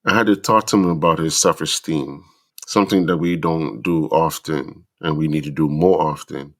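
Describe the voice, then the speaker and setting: A man's voice: a bass voice, steady tone, fairly bright tone. A middle-aged man with a stuffy, congested voice, hosting a podcast and speaking earnestly to fathers in a reflective monologue. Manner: earnest, preachy, slow deliberate lists. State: stuffy from the flu. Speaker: podcast host.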